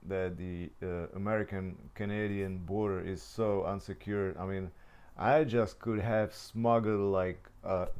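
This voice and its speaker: A young man whose first language is Czech, telling a long personal travel story in casual, halting speech full of fillers and restarts. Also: low-pitched, a little mellow, clean tone. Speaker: vlogger.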